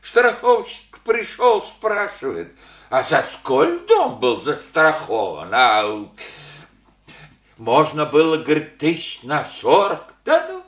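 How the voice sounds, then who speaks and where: An actor playing a humble, elderly widowed village father who speaks in halting rustic phrases full of fillers. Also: a little high, huge pitch swings, a bit bright, roomy sound, full character voice. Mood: rambling. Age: older. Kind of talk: archival Soviet radio play acting.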